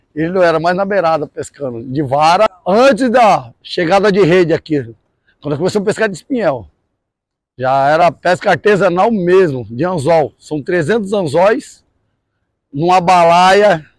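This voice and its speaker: A man's high-pitched voice at a fairly slow pace, with lively intonation and a dry, close sound with no echo. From Itanhaém, São Paulo coast, Brazil. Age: 50s. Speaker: fisherman. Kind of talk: interview. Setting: outdoors. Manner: informal.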